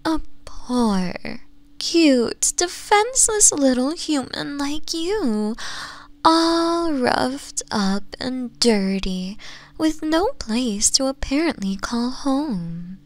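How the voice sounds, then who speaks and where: Slow, high-voiced possessive fox woman, acted by a woman. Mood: doting, possessive. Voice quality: breathy, often dropping into whispers. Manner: cooing, teasing, slow sultry endearments with giggles. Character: possessive, doting nine-tailed fox woman, centuries old. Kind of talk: ASMR roleplay.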